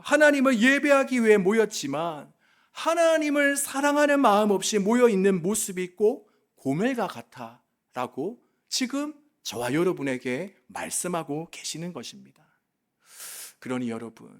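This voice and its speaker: A male pastor preaching a sermon, impassioned and pleading, asking the congregation rhetorical questions. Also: sits high. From South Korea.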